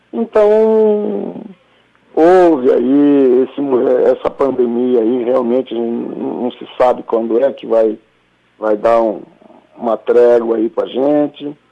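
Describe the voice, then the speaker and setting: A man speaks at a very slow pace. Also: long, frequent pauses. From Brazil, Bauru (São Paulo state). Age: 60s. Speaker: retired football coach. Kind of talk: interview. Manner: halting, many fillers.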